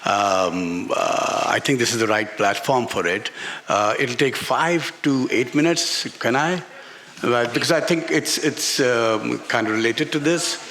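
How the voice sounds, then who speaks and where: A man of medium pitch speaks as a guest author on stage. He tells a personal story candidly and reflectively, often halting and hesitating as he finds his words. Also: fairly bright tone. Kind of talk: candid personal storytelling at a live book talk. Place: literature festival stage before an audience.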